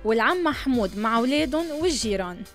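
Lebanese arabic woman doing tv report voice-over, high voice, music clearly underneath. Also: lively intonation, quick pace. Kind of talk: scripted documentary narration.

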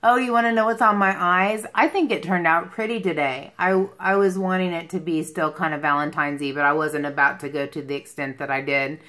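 A woman in her mid-forties hosts a beauty livestream from a small, furnished room at home. Her voice is fairly low with a slight brightness. She chats casually and answers viewers, rambling and jumping from one thought to the next.

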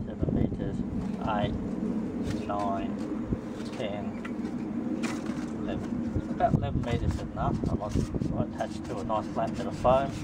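A middle-aged man giving a plain step-by-step fishing demonstration while kneeling in a driveway and working with his hands. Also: lowish voice. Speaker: fishing tutorial host. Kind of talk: how-to demonstration. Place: outdoor driveway beside a boat trailer. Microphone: camera mic a few feet away. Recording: distant camera mic with outdoor noise.

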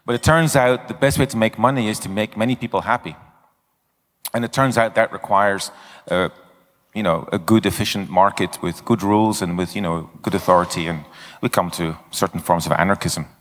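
A man's voice: lowish voice, steady tone, brisk, fairly bright tone. A middle-aged man giving a conference talk on stage with a handheld mic, speaking bluntly and candidly with self-mocking asides. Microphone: handheld microphone. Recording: long hall reverb.

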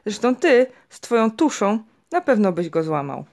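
A woman's voice: mid-range voice, very animated, normal speed, creaky, darkish tone, voice pushed up. A woman voicing a proud, boastful father in a storybook reading, speaking in a mock-dignified, teasing way.

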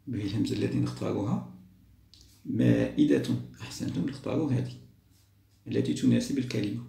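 A man teaching a lesson for young children, stretching out each model word slowly and then moving on quickly. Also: mid-range voice, gravelly, dark tone. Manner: slow, drawn-out model words, then quick asides. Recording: roomy echo.

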